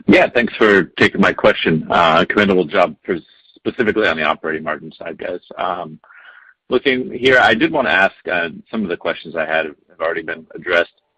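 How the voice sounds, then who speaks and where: A man's voice: low voice, a little fast, sharp tone, husky. A man working as a financial analyst, asking wordy, hedging questions on a muffled conference call. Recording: muffled, echoey phone conference line.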